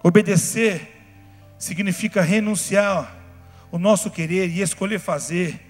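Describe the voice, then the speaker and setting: A Brazilian man, a pastor, preaching a sermon, telling stories in a chatty way that builds to fervent shouting. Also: sits high, steady tone, a little slow. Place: church hall. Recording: reverberant church hall, faint music behind.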